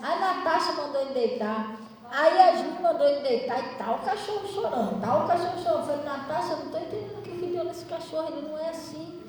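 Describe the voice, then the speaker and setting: A woman's voice: high-pitched, fast, a little hiss or hum. A woman pastor preaching a sermon in a chatty, storytelling way to her congregation. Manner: conversational, animated storytelling to the congregation. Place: church hall. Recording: distant mic in an echoey church hall.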